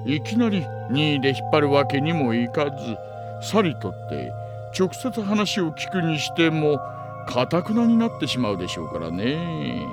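An actor playing a wily, smooth-talking middle-aged police detective in an audio drama, unctuously polite and insinuating. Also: male voice, a little high, very animated, normal speed, music in the background. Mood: calm persuasion. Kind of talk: Japanese audio drama acting.

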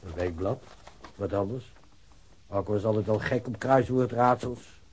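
A man's voice: fairly low pitch, a little slow, darkish tone, a little hiss or hum, natural voice. An actor playing an old working-class father, plain-spoken, weary and loyal to his son, in a naturalistic radio drama. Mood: uneasy. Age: older.

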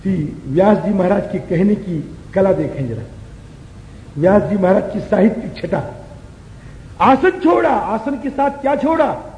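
A man giving a devotional sermon, emphatic and repetitive, slowly chanting scripture verses between his explanations. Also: sits high, expressive, mellow, roomy sound, big-room sound, low-quality recording. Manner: emphatic, repeats phrases for effect. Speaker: preacher giving a scripture discourse.

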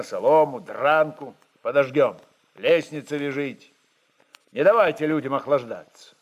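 A man's voice: a little high, fairly bright tone, full character voice. A man voicing a stern, resolute Cossack rebel chieftain who speaks in terse commands, in a literary radio drama.

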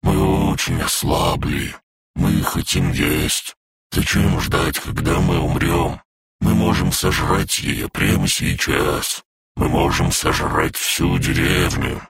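A man voicing a hungry, menacing crab-like nightmare monster in a frightening, deep, disguised voice while reading a story aloud. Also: fairly even intonation, background noise, exaggerated voice. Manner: slow, gravelly, husky menace.

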